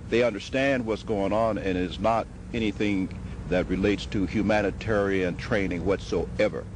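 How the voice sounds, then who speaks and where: A man giving a halting, deliberate explanation in an outdoor interview. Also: deep voice. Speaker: interviewee, researcher. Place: outdoors, urban. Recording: clear outdoor traffic noise.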